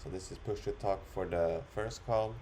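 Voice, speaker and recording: A man talking through an unscripted screen-recorded software demo, explaining it step by step in an instructional way. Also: low voice, normal speed, a little hiss or hum. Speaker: software demonstrator.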